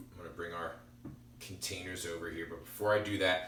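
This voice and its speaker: A man with an American accent is heard with clear background noise and audible echo from the room. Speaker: teacher. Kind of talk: tutorial. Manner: animated.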